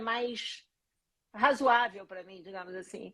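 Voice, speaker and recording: A woman speaks at a moderate pace in a high voice with fairly even intonation. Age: 60s. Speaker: retired teacher, client testimonial. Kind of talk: testimony. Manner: halting.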